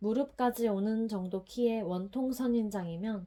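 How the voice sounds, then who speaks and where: Her dark, mellow tone and ordinary pitch variation come through as the woman speaks at a fairly slow pace. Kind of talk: audiobook reading. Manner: soft, calm.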